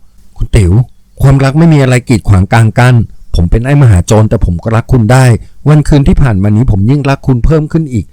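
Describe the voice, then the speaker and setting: A man reading aloud, voicing a lovelorn young male bandit chief in a low, earnest, tender tone. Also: animated, quick pace, dark tone, dry recording, lightly acted.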